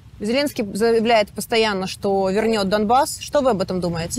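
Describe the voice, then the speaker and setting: Here a woman talks at a moderate pace. The sound is dry with no echo, and there is light background noise. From Ukraine. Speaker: journalist interviewing residents. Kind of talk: street interview. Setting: outdoors on the street. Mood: subdued, matter-of-fact. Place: street. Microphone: handheld.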